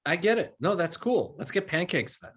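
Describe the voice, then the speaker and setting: Easygoing young man, slightly husky man acting. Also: high-pitched, very animated, normal speed, a bit bright, full character voice. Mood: agreeable. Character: easygoing, agreeable young man Chris on a date. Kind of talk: screenplay table read.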